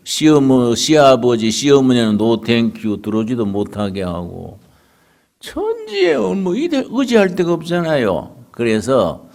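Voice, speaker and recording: A man preaches a Sunday sermon as a pastor, telling a story with dramatic flair. His pitch swings widely while his pace stays slow and deliberate, with sudden high peaks. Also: darkish tone.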